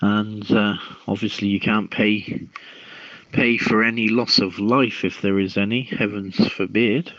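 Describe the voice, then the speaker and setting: Slow-paced man hosting, dull lo-fi mic. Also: lowish voice, fairly even intonation, a bit bright, no echo. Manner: halting delivery, stumbles and repeats words while reading. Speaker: host reading news stories to co-hosts. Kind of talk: reading a news article aloud, with casual chat. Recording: dull, lo-fi microphone sound.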